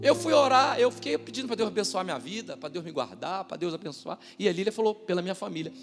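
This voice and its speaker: Male pastor, high-pitched, testifying emphatically, shifting from loud bursts to near-whispers; church hall with long reverb. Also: expressive, fast talker, music in the background. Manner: emphatic storytelling, swinging between loud outbursts and hushed asides. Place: church service.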